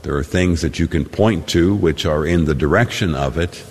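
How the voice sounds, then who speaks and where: A man speaking as a priest, reading and preaching in a measured, solemn way in a large church with cathedral echo. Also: extremely low pitch, darkish tone, slightly rough. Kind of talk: liturgical gospel reading and homily. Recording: cathedral-like echo, long reverberant church hall.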